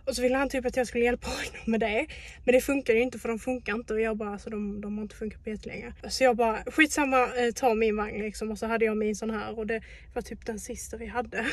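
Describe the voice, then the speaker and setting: A woman's voice: fairly high pitch, flat delivery, dry recording. A young woman vlogging in casual chat about her shopping, talking freely and swearing when annoyed.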